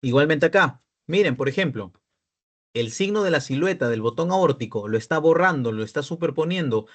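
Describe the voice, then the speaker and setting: A man's voice: on the high side, lively intonation, brisk. A young man giving a peer-tutoring radiology lecture, explaining cases and checking in often with his listeners. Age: young adult.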